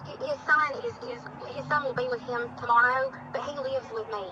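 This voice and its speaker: A woman, heard through a phone on speakerphone, pleading urgently with halting restarts. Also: high-pitched, steady tone, lo-fi sound, crowd noise. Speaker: sister of the arrested man, on the phone. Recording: noisy speakerphone heard outdoors.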